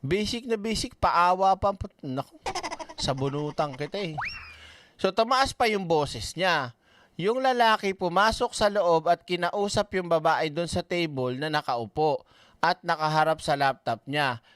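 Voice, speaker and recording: Man, ranting commentary, blunt and profane, slightly high voice, smooth and clear, dry close mic. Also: a little slow, a bit bright, dry recording. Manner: blunt, swears often, reads comments aloud. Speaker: online commentator.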